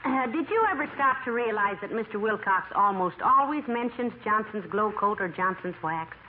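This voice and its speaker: A woman playing a patient, gently teasing middle-aged wife in 1940s radio comedy, heard through an old AM radio broadcast. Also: medium pitch, lively intonation, normal speed, narrow, tinny audio, background noise. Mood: wry. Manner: dry, gently teasing, calls husband dearie. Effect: old AM radio broadcast sound.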